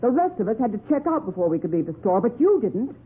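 A woman's voice: a little high, sing-song, fast talker, breathy edge, heavily acted. An actress playing a feisty, loyal woman in a 1940s radio crime drama, firm and tart in her answers. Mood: indignant. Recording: tinny 1940s radio broadcast.

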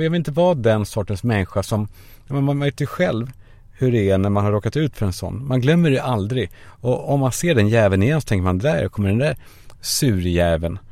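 A young man talks alone from inside a parked car, spinning a self-mocking, foul-mouthed comic monologue. His voice is gravelly and mellow, and the car keeps the sound close and dry. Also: mid-range voice, no room sound. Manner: self-mocking, swearing, acts out voices in quotes. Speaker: podcast host.

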